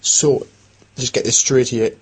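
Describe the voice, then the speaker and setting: A man's voice: mid-range voice, steady tone, measured pace, darkish tone, husky. A man playing an easygoing research team member with a wry, teasing delivery in an audio drama.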